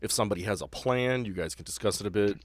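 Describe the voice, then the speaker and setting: A man narrating and refereeing a tabletop game as game master, with deliberate, dramatic storytelling. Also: on the low side, dry recording. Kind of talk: improvised game narration and rules talk.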